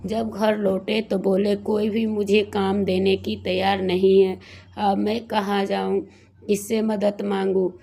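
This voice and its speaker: Hoarse woman telling a slow, flat devotional tale. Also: medium pitch. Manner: rambling, with many restarts and fillers; addresses viewers as friends. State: hoarse from a cold. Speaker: devotional YouTuber. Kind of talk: casual devotional storytelling.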